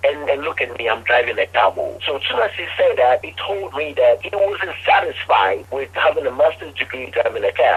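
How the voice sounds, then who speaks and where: A man with a Ghanaian accent speaks at a fairly quick pace. Noticeable background noise can be heard. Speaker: motivational speaker. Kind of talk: interview.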